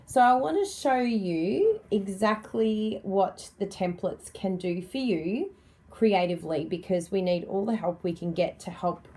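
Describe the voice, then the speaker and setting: An Australian woman in middle age with a touch of croakiness in her voice, talking in a chatty, upbeat way. She speaks at an ordinary pitch for a woman and moves easily between explaining and greeting her live viewers. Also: lively intonation, measured pace, mellow. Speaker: card-making demonstrator. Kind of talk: live-stream tutorial chat.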